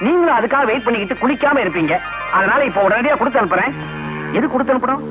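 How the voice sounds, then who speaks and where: Brief: bumbling comic hero, theatrical, swoops all over, stiff English asides. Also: male voice, very high voice, lively intonation, very fast. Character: bumbling young man, fussy and excitable. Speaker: comic hero posing as a London visitor. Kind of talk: 1980s Tamil film comedy acting. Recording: dull lo-fi old film soundtrack with music.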